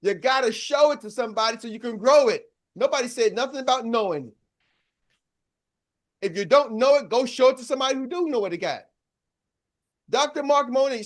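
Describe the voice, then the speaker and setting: A man in his sixties giving an energetic motivational talk as a sales coach, calling out to a live audience and repeating slogans. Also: very high voice.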